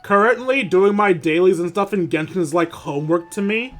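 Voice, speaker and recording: A man's voice: sits high, moderate pace, a bit bright. A man doing casual livestream game commentary, talking informally with swearing and grumbling. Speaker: video game streamer. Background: music.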